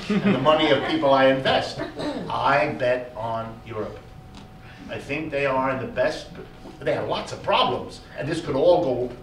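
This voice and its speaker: A man giving an emphatic, animated economics lecture to a room, often repeating words for stress. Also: medium pitch, a little hiss or hum. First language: German. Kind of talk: public lecture. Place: lecture hall. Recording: echoey hall, recorded from far off.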